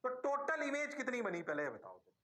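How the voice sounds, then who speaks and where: A man teaching in a high, bright voice that rings with energy. He coaxes and teases his students, firing the same question at them over and over until they answer. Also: a little fast. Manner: animated, coaxing, repeats questions to the class; playful. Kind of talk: classroom lecture.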